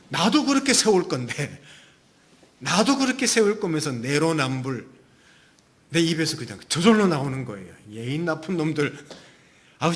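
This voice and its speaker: A male pastor preaching a Sunday sermon, emphatic, full of rhetorical questions and sudden hushed asides. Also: on the high side.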